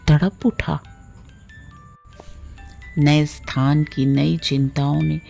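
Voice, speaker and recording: A woman narrating a literary story from a script, with measured, deliberate phrasing. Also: deep voice, creaky, dark tone. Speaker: storyteller, audiobook-style reader.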